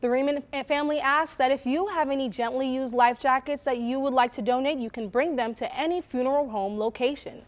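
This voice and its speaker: A woman's voice: sits high, a little fast, few pauses. A woman reading scripted local news as an anchor at a studio desk.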